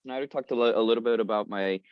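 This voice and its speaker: Here the same kind of speaker, a twenty-something Colombian man who founded a startup, talks fast in a lowish, clear, resonant voice. He's a guest on a community video call, casual and upbeat, with lots of fillers and restarts, and the dry, slightly dull audio has no echo.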